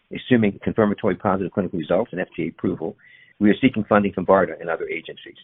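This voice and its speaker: Fast-talking man on a muffled call. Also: on the low side, breathy edge. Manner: formal, technical, reading from prepared text. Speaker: company executive presenting on an earnings call. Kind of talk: scripted corporate presentation read aloud. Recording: muffled, band-limited conference call audio.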